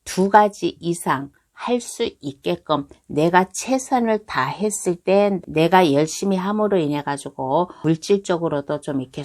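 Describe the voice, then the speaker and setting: A woman giving a tarot reading to her viewers, talking in a slow, reassuring way and circling back over her phrases. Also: on the low side. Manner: slow, reassuring, repeats phrases and hedging endings. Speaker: tarot reader.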